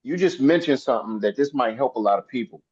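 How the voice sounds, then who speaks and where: A man hosting a sales coaching video call, energetic and hyping people up with repeated phrases. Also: medium pitch, fast, breathy edge, dull audio. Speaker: sales coach and meeting host.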